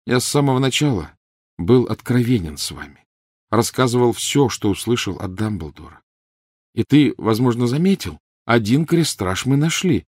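A man's voice: medium pitch, big pitch swings, normal speed, a little mellow, slightly rough, no room sound, clean studio sound, voice pushed up. Harry Potter, a man reading a tense teenage boy. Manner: cold, clipped, angry.

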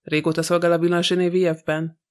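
A man reading an audiobook, voicing a stern, impatient male magistrate who questions briskly. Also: a little high, flat delivery, lightly acted. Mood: questioning.

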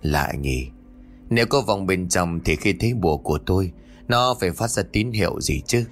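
A man voicing a gruff old male village sorcerer who mutters and grumbles in a low voice. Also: expressive, soft background music. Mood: puzzled. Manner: low muttering, slow curses.

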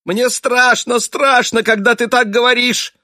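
A man voicing a shrill, furious wife who screeches accusations at her husband in an audiobook. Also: steady tone, unhurried, sharp tone, dry recording, clean studio sound, full character voice. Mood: shrieking furious. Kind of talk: audiobook character voice.

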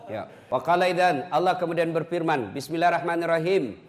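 A man's voice: a little high, a little fast. A middle-aged man, preaching a humorous sermon to a mosque gathering and teasing his listeners. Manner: joking, lively, teasing the audience.

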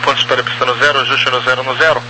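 A man's voice: mid-range voice, flat delivery, rapid-fire. Male air traffic controller on crackly radio. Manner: procedural, clipped phraseology. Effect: crackly radio transmission. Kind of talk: aviation radio clearances. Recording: noisy, crackly aviation radio channel.

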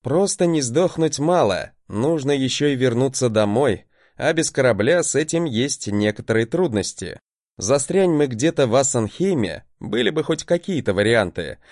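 A man's voice: medium pitch, animated, moderate pace, darkish tone, no room sound, studio quality. A man giving a wry, conversational first-person audiobook narration.

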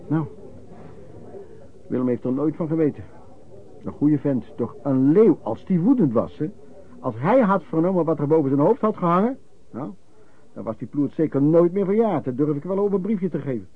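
Lively-tongued old-time vagrant storyteller, dull recording. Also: male voice, fairly high pitch, moderate pace, pauses often. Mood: agitated. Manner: colloquial, hesitant, anecdotal raconteur with old-fashioned turns of phrase. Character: rough, hard-drinking male vagrant pedlar reminiscing about lodging-house life. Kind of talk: Dutch radio play storytelling. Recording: dull, lo-fi radio play recording.

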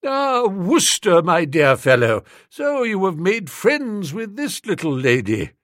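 A man's voice: high-pitched, big pitch swings, slow, fairly bright tone, no room sound, clean studio sound, pitched above the performer's own voice, heavily acted. A man playing a jovial, pompous elderly vicar who speaks in effusive, long-winded phrases.

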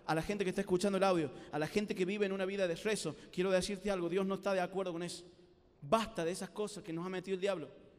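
Animated high-voiced preacher in a hall. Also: male voice, quick pace. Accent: Rioplatense Spanish. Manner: animated storytelling with acted-out voices. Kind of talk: lively youth sermon. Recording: live sermon with long hall reverb.

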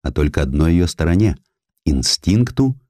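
A man reading a historical sketch as an expressive audiobook narrator, telling it dramatically with rhetorical turns. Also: extremely low pitch, normal speed, no echo, clean studio sound. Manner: dramatic storytelling with rhetorical questions and exclamations.

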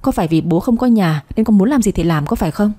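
A woman's voice: medium pitch, lively intonation, quick pace, warm tone, husky. A woman voicing a stern older father-in-law who scolds his daughter in a read-aloud story. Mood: angry.

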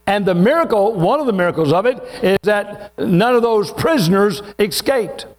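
A man preaches to his congregation in a folksy, joking way. His voice sits high for a man, and he stretches out the scripture readings. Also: expressive, moderate pace. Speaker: pastor. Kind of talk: sermon.

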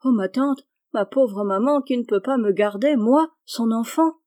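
A woman reading aloud, voicing a kind, patient young boy who coaxes and reasons gently. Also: a little high, measured pace, natural voice. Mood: earnest. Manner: coaxing, earnest pleading. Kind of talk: audiobook reading.

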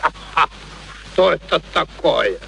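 An arrogant, excitable professor with a high, bright voice. He declaims with pompous precision and scornful emphasis. The sound is that of a vintage theatrical radio play, with faint noise behind him. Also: takes it slowly, vocal fry, exaggerated voice. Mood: scornful, outraged.

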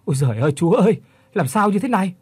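A man's voice: on the high side, animated, moderate pace, darkish tone, breathy edge, no room sound. A man voicing a frail, frightened old man in a spoken horror story, talking in a choked, pleading way. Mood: terrified.

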